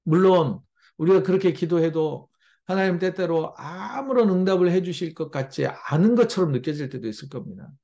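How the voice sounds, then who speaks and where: A man preaching a sermon as pastor, emphatic and animated, often addressing the congregation directly and acting out heartfelt pleas. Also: high-pitched, creaky.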